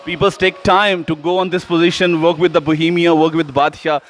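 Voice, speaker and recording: A man's voice: a little high, level tone, a little fast. A man with a South Asian accent hosting a celebrity interview in an effusive, flowery manner. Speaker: radio host interviewer. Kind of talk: celebrity interview, mixing Urdu and English.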